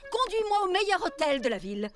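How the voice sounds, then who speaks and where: A woman's voice: extremely high pitch, very animated, fast. A woman voicing a haughty, fussy female TV fashion producer in a French cartoon dub, theatrical and condescending, gushing with pet names. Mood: gracious, bossy. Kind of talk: French animated series dub acting. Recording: background music under the voice.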